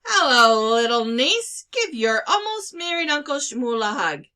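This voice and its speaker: Storybook role: female reader as jovial bearded village man, boastful and playful, animated, forceful tone. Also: sits high, a little slow, voice pushed up, heavily acted. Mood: hearty. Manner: hearty, boastful, teasing. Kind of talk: children's novel read-aloud.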